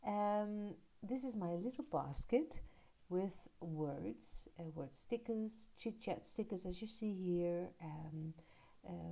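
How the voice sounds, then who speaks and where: A woman giving a relaxed, rambling voiceover about her art journal page, pausing often and filling gaps with little hesitations. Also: fairly low pitch. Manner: relaxed, rambling, with many pauses and fillers. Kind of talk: casual voiceover narrating her crafting. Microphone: voiceover recorded at her laptop.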